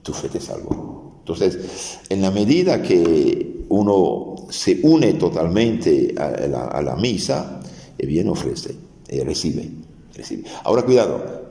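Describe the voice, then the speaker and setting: Man, priest, sermon, dark warm tone, echoey roomy sound. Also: low-pitched, creaky. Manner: earnest, explanatory preaching with restarts and dramatized Gospel quotes. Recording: echoey, reverberant hall.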